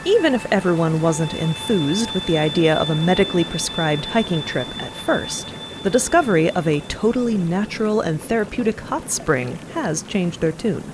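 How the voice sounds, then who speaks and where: A woman's voice: on the low side, expressive, normal speed, few pauses, noisy background. A woman narrating a scripted fiction podcast as one of its storytellers.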